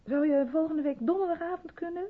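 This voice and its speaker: A woman's voice: very high voice, fairly quick, phone-quality sound. An actress playing a strict, insistent white woman in a Dutch radio drama from the 1970s, speaking pointedly and persuasively. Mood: eager, pleading. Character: strict, insistent white South African woman running play rehearsals.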